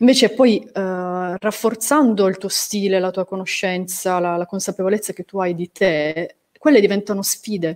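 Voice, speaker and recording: A woman with an unremarkable speaking voice talks at medium pitch and a moderate pace, with ordinary pitch variation and big swings in loudness, in a dry, close sound with no echo on a very clean recording with a silent background. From southern Italy, Apulia. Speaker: wedding photographer. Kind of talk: interview.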